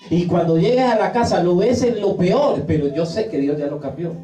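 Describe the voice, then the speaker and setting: A man's voice: high-pitched, normal speed, mellow. A man preaching a sermon in an emphatic way, acting out the prayers he quotes. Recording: roomy echo, distant mic, faint music.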